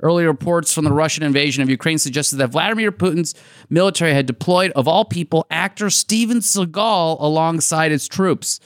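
A man's voice: on the high side, fairly quick, dry recording, clean studio sound. A man hosting a podcast, chatting casually and recapping news stories with frequent laughs and restarts. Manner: animated, laughs often, trailing restarts. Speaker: podcast host.

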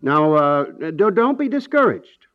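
A man's voice: high voice, sing-song, a little slow, no echo. An American man acting a polite, reasonable, dryly frank house planner in a 1950s radio comedy. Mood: awkward, consoling. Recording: dull 1950s radio recording.

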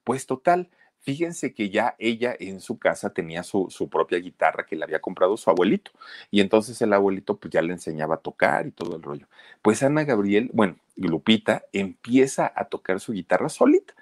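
A low-voiced Mexican man tells a celebrity story, his pitch swinging widely as he chats. His casual, colloquial delivery is full of dramatic asides. The sound is close and dry, with no room around it. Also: animated, fairly quick, no echo. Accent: Mexican Spanish. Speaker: gossip channel host.

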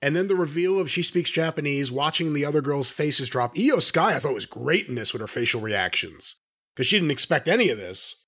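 A man co-hosting a podcast, speaking earnestly and in a measured way, gently skeptical in casual chat. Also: fairly high pitch, expressive. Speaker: podcast co-host.

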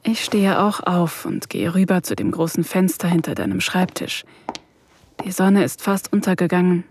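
A woman's voice: fairly low pitch, lively intonation, normal speed, a little mellow, a little hiss or hum, natural voice. A woman voicing a shy, flustered young woman researcher, narrating her thoughts hesitantly and in half-whispers in an intimate audio drama.

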